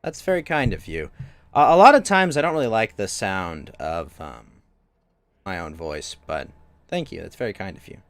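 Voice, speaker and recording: A man's voice: deep voice, big pitch swings, moderate pace, fairly bright tone, clear, resonant tone, dry recording. A young man streaming games from home, chatting loosely with his chat, restarting sentences a lot. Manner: rambling, many restarts, talks to chat. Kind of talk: casual live-stream chat.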